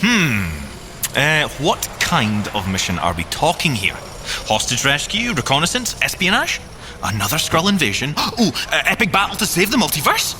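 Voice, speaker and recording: A boyish inventor agent in a radio drama. His voice sits a little high and leaps about with showy, boastful enthusiasm. Clear ambient rumble runs behind him. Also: normal speed, exaggerated voice. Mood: excited, showy. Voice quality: animated, theatrical delivery. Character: boyish, excitable, boastful young male gadget-inventor agent. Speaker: agent and engineer character. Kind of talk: banter in an audio drama field report.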